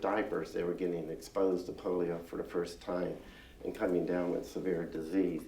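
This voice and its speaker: A man's very deep, low voice with an American accent, at a moderate pace, with audible room echo. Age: 70s. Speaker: virologist, scientist speaker. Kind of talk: lecture.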